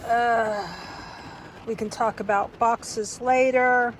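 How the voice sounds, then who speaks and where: Sitting in a parked car, an older woman vlogger reads aloud and reminisces, wistful and meandering. Her voice is on the high side, slow and fairly even in intonation. The audio is poor, with slight background noise.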